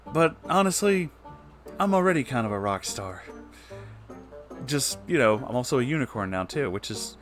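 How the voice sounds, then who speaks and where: A man's voice: mid-range voice, animated, moderate pace, long pauses, fairly bright tone, faint music behind. A man hosting an online story reading, speaking expressively and informally with casual swearing. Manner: profane, informal. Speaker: online story reader and host.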